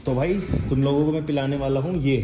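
A man's voice: medium pitch, level tone, fast. A young man, a fitness vlogger, chatting casually and teasing friends while filming in a hotel and gym. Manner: chatty, teasing, hypes up others. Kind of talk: casual vlog chat. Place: hotel room, restaurant and gym. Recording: echoey rooms with music behind.

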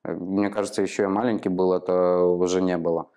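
A man's voice: deep voice, level tone, brisk, dark tone. A man in his thirties, a native Ukrainian speaker, interviewing and probing with long explanations, in a small office on a lapel mic. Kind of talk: interview questioning. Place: small office room, indoors. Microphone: clip-on lapel mic.

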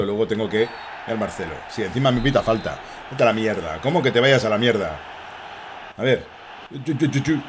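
Spain Spanish male streamer, mid-pitched, cracking jokes over live gameplay. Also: noisy background. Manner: joking, excitable, swearing banter. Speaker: gaming streamer.

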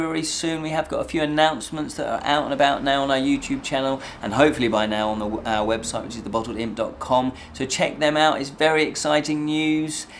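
A man's voice: fairly high pitch, gravelly, slight background noise. A middle-aged man giving a casual, rambling review to camera, often repeating and rephrasing himself. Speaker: host of a fantasy review show. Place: small indoor set with draped backdrop.

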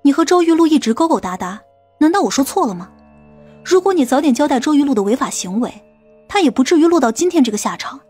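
Woman playing a high-pitched, stern police chief. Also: big pitch swings, fast talker, faint music behind. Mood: accusing. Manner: sharp, scornful, commanding. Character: stern, haughty police team leader woman, easily angered.

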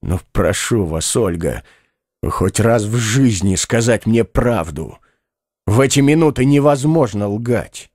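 A man voicing an aging, heavyset male doctor in an audiobook, moving from a soft tender half-whisper to bitter shouting. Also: on the low side, animated, slow, no echo, clean studio sound. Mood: pleading hushed. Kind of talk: audiobook character voice.

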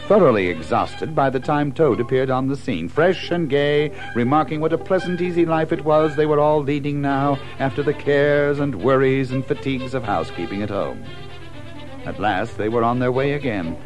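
A man narrating a children's story in an expressive, measured storytelling manner. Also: mid-range voice, rough recording. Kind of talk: scripted storybook narration in an audio drama.

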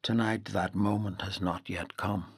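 Storyteller for an audio drama, lowish voice, brooding and lyrical, really measured. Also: male voice, fairly even intonation, breathy edge. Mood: evocative. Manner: measured, lyrical, deliberate phrasing. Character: brooding male storyteller of a boy's lonely journey. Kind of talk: literary audio drama narration.

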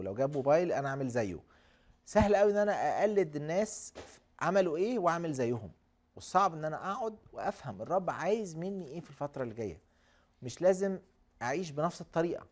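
Egyptian male guest, quick but calm explainer on live TV. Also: fairly high pitch. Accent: Egyptian Arabic. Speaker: guest speaker. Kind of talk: live studio talk show.

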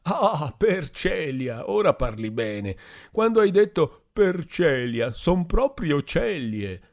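A man voicing a boastful, drunk young man who shouts and slurs his words. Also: on the high side, takes it slowly, voice pushed up, heavily acted. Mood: drunken. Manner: slurred, shouting, excitable.

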